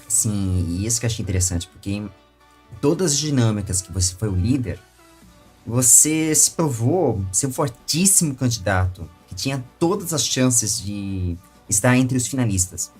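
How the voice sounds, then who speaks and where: A man with a Brazilian accent interviewing a guest, commenting at length in halting phrases with emphatic bursts. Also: mid-range voice, lively intonation, a little mellow, breathy edge, faint music behind.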